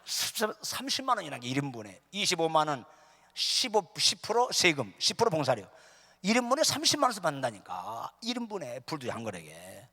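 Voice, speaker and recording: A man's voice: a little high, wildly swooping pitch, a little fast, pushed and bright. A middle-aged man preaching as a revival speaker, telling a story with humor and acting out the dialogue. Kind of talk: sermon. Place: large church sanctuary. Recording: echoey church hall.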